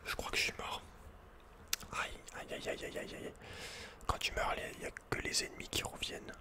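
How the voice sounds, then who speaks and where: Close-mic ASMR: a man narrates his video game in a breathy, unvoiced whisper throughout, speaking casually with slang and often mumbling to himself. He keeps a moderate pace.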